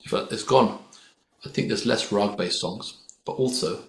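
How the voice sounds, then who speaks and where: With a lowish voice at normal speed, a male singer chats casually as a guest on a podcast, thoughtful and relaxed, often reaching for sports analogies. Neither Hindi nor Urdu is his first language, and the room sounds echoey with faint background noise.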